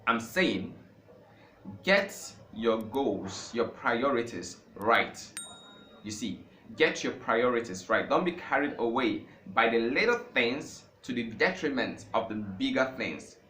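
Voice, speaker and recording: Nigerian man teaching, bright and emphatic. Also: mid-range voice, big pitch swings, slow. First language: Igbo. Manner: emphatic, repeats phrases for stress, builds to impassioned peaks. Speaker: language teacher. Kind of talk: informal language-learning talk. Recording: echoey room with faint background noise.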